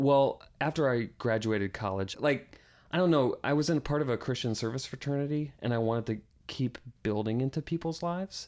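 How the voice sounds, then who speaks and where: On a very clean recording with a silent background, a man of medium pitch talks at a fairly quick pace in an unremarkable speaking voice with ordinary pitch variation. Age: 30s. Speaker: sperm donor, business owner. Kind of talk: interview.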